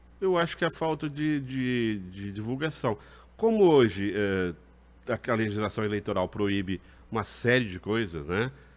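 Lively intonation from a man with a fairly low pitch, at a moderate pace. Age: 60s. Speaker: legislative chief of staff; guest. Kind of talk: interview. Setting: legislative assembly building. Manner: halting. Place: studio. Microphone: studio mic.

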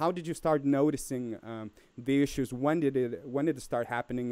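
A man talks at a fairly quick pace with a fairly high pitch and a dark, mellow tone. The sound is dry with no echo, and the background is quiet. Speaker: YouTube channel host and brass musician. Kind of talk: live stream chat. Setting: live video stream. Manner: halting. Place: home room. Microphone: studio mic.

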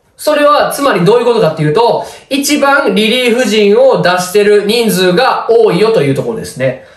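Against a quiet background with audible room echo, a man with a high pitch talks at a fairly quick pace with hardly any pauses and very wide pitch swings. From Kyoto, Japan (Kansai). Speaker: former pro baseball player, baseball commentator. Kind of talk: casual analysis vlog. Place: home room.

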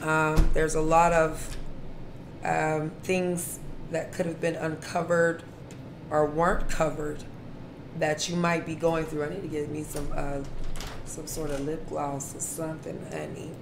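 A woman with a very deep, low voice speaks fairly slowly in a monotone, flat intonation, leaving long, frequent pauses over noticeable background noise. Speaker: card reader. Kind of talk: casual reading commentary. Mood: relaxed, candid, profane. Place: home room. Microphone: webcam.

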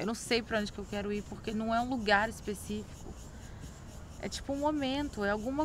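A woman at a fairly quick pace with ordinary pitch variation, dry sound with no echo, and light background noise. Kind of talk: acted film dialogue. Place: garden.

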